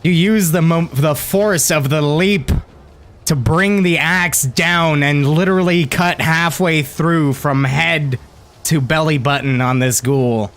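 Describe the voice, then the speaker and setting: A man narrating a tabletop fantasy game as game master, casual and a little halting as he describes the action. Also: on the high side, a bit bright.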